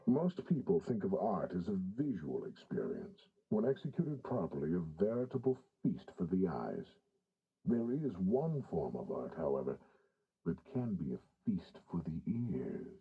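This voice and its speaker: A man's voice: deep voice, very animated, a little slow, husky. A man doing polished, theatrical voice-over for vintage radio commercials. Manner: polished, theatrical announcer delivery. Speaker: voice actor. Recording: muffled, band-limited old demo tape. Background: music beds.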